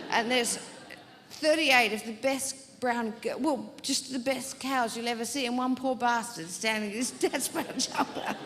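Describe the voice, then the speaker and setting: A woman's voice: a little high, slight background noise. A woman doing a stand-up comedy set, telling rambling, self-mocking stories. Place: comedy venue stage. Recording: live stage with long hall reverb. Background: faint audience laughter.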